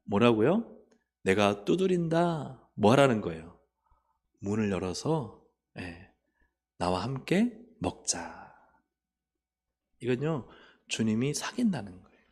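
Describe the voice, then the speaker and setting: Preaching in a church sanctuary, this pastor quizzes his congregation and supplies the answers himself. He's very animated yet slow, pausing often, with a breathy edge, and he shifts from loud urging to quiet, low remarks.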